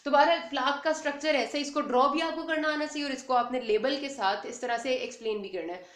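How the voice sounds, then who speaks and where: A woman's voice: sits high, quick pace, roomy sound. A young woman teaching an exam-focused pathology lecture, explaining step by step and often checking in with her students. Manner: explanatory, mixes English terms into speech, frequent "ठीक है" check-ins. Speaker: medical lecturer.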